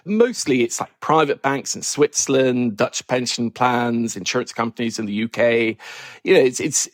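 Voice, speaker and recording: A man from Norway, a journalist interviewed as a guest, answering in a thoughtful, measured and wry way. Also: medium pitch, dry recording.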